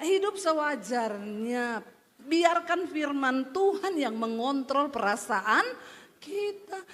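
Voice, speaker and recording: A woman's voice: high-pitched, fairly bright tone, in a large hall. A woman pastor preaching a sermon in a chatty, humorous way, speaking straight to her congregation.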